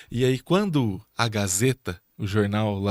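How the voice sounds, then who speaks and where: A man's medium-pitched voice, dry and close with no echo, in a very clean recording with a silent background. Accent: interior São Paulo. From interior of São Paulo state, Brazil. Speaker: teacher and education speaker. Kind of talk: casual podcast conversation. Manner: storytelling, conversational.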